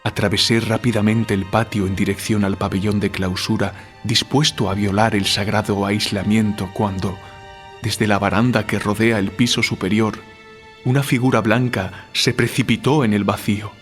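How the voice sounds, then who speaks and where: A man playing a troubled, guilt-ridden writer in an audio drama, speaking in a solemn, deliberate, literary way. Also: on the low side, little pitch movement, soft background music, natural voice. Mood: solemn narrating.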